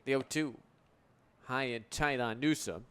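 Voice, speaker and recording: A man's voice: medium pitch, a little slow, fairly bright tone, clear, resonant tone. A young American man in his twenties calling sports play-by-play for radio in articulate, flowing descriptive calls. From United States. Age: 20s.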